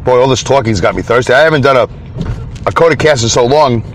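A man with a Brooklyn accent talks casually as a podcast host, at a middle pitch. He rambles, doubles back and repeats himself, with clear noise like outdoor traffic or a vehicle behind him. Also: fast talker. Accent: Brooklyn, New York. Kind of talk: casual solo podcast monologue.

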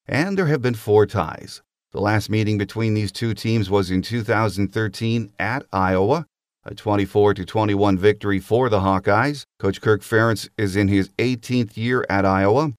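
A man's voice: fairly low pitch, dry recording, clean studio sound. A man hosting a sports podcast, reading game notes and promos. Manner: steady announcer delivery, reading notes and promos. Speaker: podcast host.

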